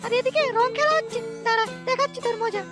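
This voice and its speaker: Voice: very high-pitched, fast talker, a bit bright. A performer voicing a cheeky, foul-mouthed boy prankster in a Bengali comedy cartoon, brash, boastful and taunting. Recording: music behind the voice.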